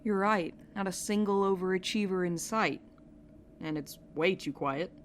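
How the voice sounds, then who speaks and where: A woman's voice: fairly low pitch, moderate pace, lightly acted. A woman acting in an audio drama podcast as a wry, sceptical, tough and loyal companion, with a dry, blunt delivery. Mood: wary, dry. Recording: clear background noise, ambient sound bed.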